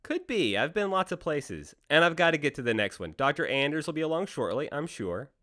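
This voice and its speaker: A man's voice: on the high side, sing-song, a little fast, sharp tone. A man playing a sly, sardonic devil-like tempter in a radio play, speechifying in a persuasive, mock-folksy way. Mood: wry. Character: sly, theatrical male devil-like deal maker, smooth tempter.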